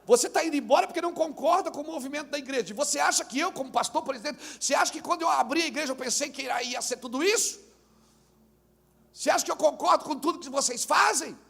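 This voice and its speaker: A male pastor with a Brazilian Portuguese accent, preaching a lively live sermon at a church conference, telling stories and rising to shouts. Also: very high voice, quick pace, creaky. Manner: animated preaching that builds to shouts; tells stories through acted dialogue.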